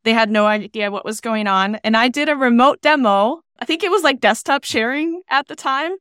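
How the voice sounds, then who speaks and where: This is a woman in her thirties, originally from Iceland, chatting as a podcast guest on a video call. Her voice sits a little high and comes through smooth and resonant, with lots of easy "you know" asides as she tells anecdotes. The sound is dry and close. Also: normal speed, a bit bright, no room sound. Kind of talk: relaxed storytelling interview.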